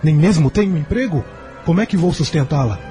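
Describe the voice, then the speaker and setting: Casting: man to play evasive young Brazilian son, higher voice, radio drama, light music underneath. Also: expressive, a little fast, mellow, lightly acted. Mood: reluctant, defensive. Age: young adult. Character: reluctant, evasive young son, dutiful to his parents.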